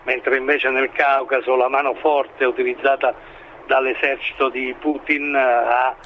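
A man giving expert current-affairs analysis in an interview, speaking in a halting, hesitant way as he builds his points. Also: medium pitch, little pitch movement, lo-fi sound, a little hiss or hum. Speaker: expert commentator being interviewed.

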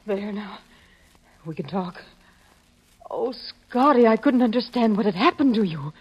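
A woman's voice: medium pitch, animated, unhurried, a little hiss or hum, natural voice. A woman acting an anxious, devoted wife in a melodramatic 1950s radio drama, heard on a dull vintage recording. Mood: hushed, worried.

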